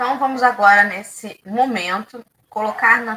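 This woman talks at a fairly slow pace in an ordinary speaking voice. Her fairly high pitch moves with lively intonation. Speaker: live stream host. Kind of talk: casual talk on spiritist study, live stream. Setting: video call, live stream.

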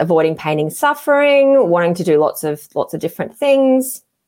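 A woman with an Australian accent, a fairly low pitch, very wide pitch swings and a moderate pace, in a very clean recording with a silent background. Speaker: Enneagram coach. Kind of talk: casual chat.

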